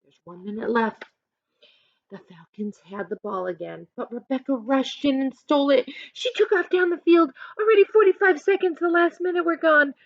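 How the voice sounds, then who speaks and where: A woman's voice: high voice, normal speed, gravelly, no echo, muffled recording. A woman teacher reading a picture book aloud expressively, adding instructive asides and questions for listeners.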